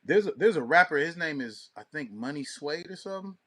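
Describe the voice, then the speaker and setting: A man's voice: a little high, animated, a little fast, crowd noise. A man co-hosting an online show, chatting casually with heavy slang.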